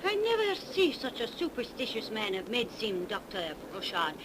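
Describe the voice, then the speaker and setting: High-voiced, mysterious young woman. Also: big pitch swings, normal speed. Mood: teasing. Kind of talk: 1930s radio acting. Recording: noisy old 1930s radio recording.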